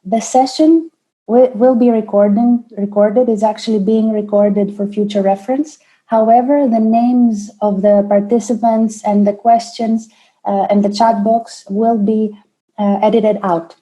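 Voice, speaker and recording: A woman with a Greek accent hosting an online panel webinar over a video call, speaking in a measured way with frequent fillers and restarts. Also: on the high side, steady tone, mellow, lo-fi sound. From Greece. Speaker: webinar host, admissions manager.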